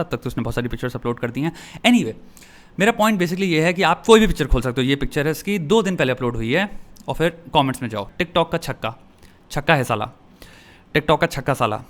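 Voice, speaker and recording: A young Indian man talking casually to his viewers, mixing Hindi with English phrases and addressing them as friends. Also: mid-range voice. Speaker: YouTube commentator. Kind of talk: casual talk to camera, reading comments aloud.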